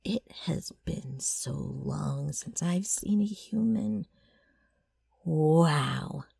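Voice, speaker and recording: A brash, scheming ghoul talks straight to the listener in an ASMR roleplay. Her voice is low and very husky, with rambling patter that swings widely in pitch. She clears her throat and trips over her own sales pitch. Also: expressive, very slow, warm tone, no room sound, exaggerated voice. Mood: flustered, flirty. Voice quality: rough, raspy. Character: gross, brash, scheming female ghoul ghost.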